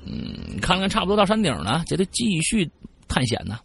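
Gravelly man telling a ghost story. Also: a little high, normal speed, slight background noise. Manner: animated, dramatic storytelling. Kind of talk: casual spoken ghost story.

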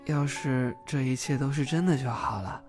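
A man's voice: medium pitch, moderate pace, music in the background, close to an everyday voice. A man playing a sweet, bashful, teasing young gay man in an audio drama. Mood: tender.

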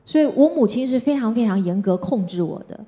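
A middle-aged woman from Taiwan, giving a personal storytelling talk in a gentle, conversational way. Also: fairly high pitch, animated, fairly quick. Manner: gentle, conversational, with soft sentence-end particles. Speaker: speaker. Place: stage before an audience.

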